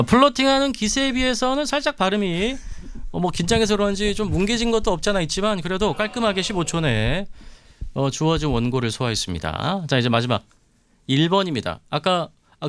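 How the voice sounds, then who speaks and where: A man hosting a live show, reading viewer comments and running a pronunciation game in a chatty, animated way. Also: high-pitched, a little fast, slight background noise. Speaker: show host. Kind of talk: lively live-stream hosting.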